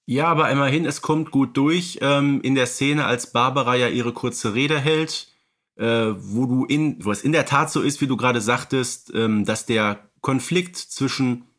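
A man of middle pitch co-hosts a casual fan podcast. He talks in a searching, hesitant way, often stopping to find a word or correct himself. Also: unhurried, a bit bright. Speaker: podcast co-host.

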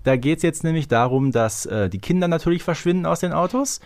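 A man's voice: on the high side, animated, brisk, darkish tone, no echo. A man co-hosting a podcast in casual conversation. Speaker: podcast co-host. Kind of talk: casual chat.

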